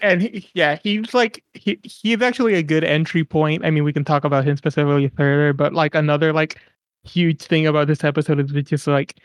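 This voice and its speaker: A man co-hosting a podcast, rambling and animated in casual chat, cursing freely as he picks apart a TV episode. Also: a little high, fairly quick, dry recording, clean studio sound. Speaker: podcast co-host.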